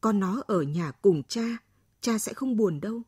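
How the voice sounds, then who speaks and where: A woman voicing a soft-spoken, pleading old father. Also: high-pitched, lively intonation, measured pace, husky, dry recording, clean studio sound, heavily acted. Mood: gentle pleading. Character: gentle aging father, patient and pleading.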